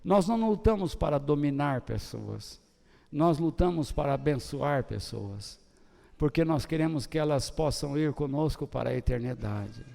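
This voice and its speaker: An older man with a Brazilian Portuguese accent preaching a sermon, swinging between loud high bursts and soft low trailing ends. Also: lively intonation, normal speed, creaky. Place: church hall. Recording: long church hall reverb.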